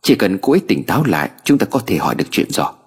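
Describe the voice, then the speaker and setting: A man's voice: deep voice, big pitch swings, fast, slightly rough, exaggerated voice. A man voicing an earnest middle-aged man who asks urgent questions.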